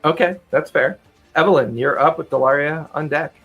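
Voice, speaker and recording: A man's voice: a little high, moderate pace, a bit bright, husky, dull audio. Male game master, music faintly behind. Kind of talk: improvised tabletop game narration.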